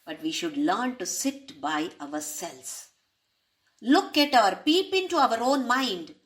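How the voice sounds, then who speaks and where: Woman spiritual teacher, unhurried and fairly high, rhetorical questions, Sanskrit terms. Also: very animated. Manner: asks rhetorical questions to listeners. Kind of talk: explaining a spiritual text.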